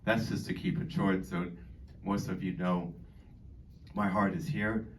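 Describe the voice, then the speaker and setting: Deep-voiced middle-aged man, chatty and distant. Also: fairly even intonation, a little slow. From born in Boston, grew up in Germany. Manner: rambling and chatty, many fillers. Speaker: dining director. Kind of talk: informal speech to an audience. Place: community hall. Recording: far from the mic, faint background noise.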